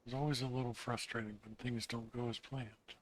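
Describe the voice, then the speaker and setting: Hoarse man casually narrating gameplay. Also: medium pitch, little pitch movement, fairly quick, low-quality recording. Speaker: gaming channel host. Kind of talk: casual let's-play commentary.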